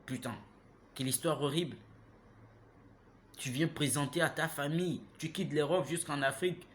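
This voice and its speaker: A man's voice: a little high, steady tone, normal speed, a little hiss or hum. Heated man lecturing. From Gabon. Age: 30s. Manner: preachy, repeats himself, asks listeners "hein?"; grows loud and heated. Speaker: vlogger. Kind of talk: impassioned monologue.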